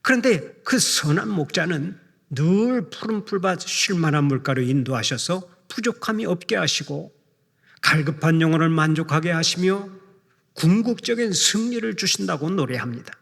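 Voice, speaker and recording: A middle-aged male pastor delivers a measured sermon, slowing down when he recites scripture. His voice sits somewhat high for a man. A long reverb trails through the large church hall. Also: lively intonation, gravelly, fairly bright tone. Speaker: senior pastor. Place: church sanctuary.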